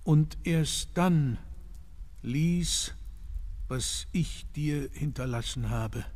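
An actor playing an earnest, commanding gentleman, worried for his friend, speaking formally and gravely in a radio play. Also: a little high, very slow. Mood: solemn.

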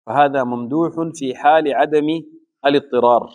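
A man explaining a religious text in a slow, deliberate teaching style with frequent pauses. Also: medium pitch, steady tone, a little mellow. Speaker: Islamic scholar teaching a book. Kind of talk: measured religious lesson.

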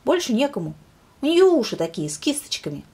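A woman's voice: high-pitched, sing-song, brisk, dark tone, slightly rough, pitched above the performer's own voice, heavily acted. A woman voicing a small fussy hare who keeps correcting his friends, in a raised, insistent voice. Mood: pedantic. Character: fussy know-it-all hare, small, always correcting others.

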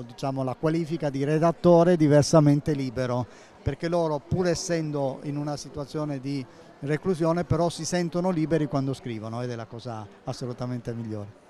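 Measured retired man in his sixties. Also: on the high side, dark tone. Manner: measured, with fillers. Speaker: journalist and interviewee. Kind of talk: interview at a book fair stand. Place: exhibition hall stand. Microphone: handheld interviewer mic.

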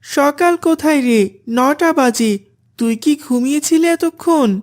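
A woman's voice: sits high, unhurried. A woman voicing a dutiful, devout young boy in a cartoon, polite and earnest.

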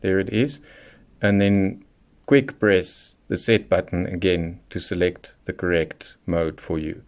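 Male tutorial presenter, lowish pitch, methodical step-by-step instructional delivery. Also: fairly even intonation, measured pace. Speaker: presenter of a radio how-to guide. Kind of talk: hands-on product tutorial, explaining step by step.

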